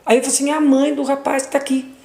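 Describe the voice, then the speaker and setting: A middle-aged woman giving an emotional testimony as a mother, retelling dialogue, repeating words, her voice leaping high at intense moments. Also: flat delivery, racing, mellow, echoey room.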